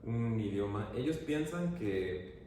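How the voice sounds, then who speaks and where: A man hosts a casual interview, building his questions slowly and hesitantly. The recording is distant and very roomy, with clear noise in the background. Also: fairly low pitch, expressive, a little mellow. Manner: thoughtful, hesitant, many fillers. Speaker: interview host.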